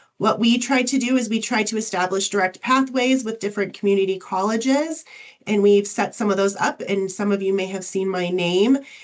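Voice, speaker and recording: Over noticeable background noise, a woman with a General American accent speaks at a fairly quick pace, her medium pitch showing ordinary pitch variation. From Colorado (Denver). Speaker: university transfer director. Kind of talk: presentation to counselors.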